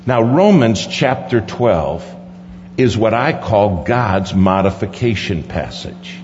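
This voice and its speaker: A man preaching a sermon in a large conference hall, emphatic, dropping to hushed low lines and rising to sudden high stresses, in a dull recording with long hall reverb. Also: lively intonation, takes it slowly, a little hiss or hum.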